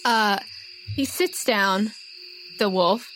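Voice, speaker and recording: A woman's voice: mid-range voice, drawn-out words, a bit bright, slight background noise. A woman running a tabletop game as game master, narrating the action in a casual, conversational way.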